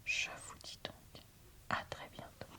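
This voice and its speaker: A woman whispering an ASMR book review in a soft, breathy, informal and slightly hesitant way. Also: takes it slowly.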